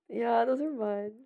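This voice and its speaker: A young adult woman hosting a chatty podcast in an informal, giggly and halting way. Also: a little high, a little mellow. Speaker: podcast host. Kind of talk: casual chat.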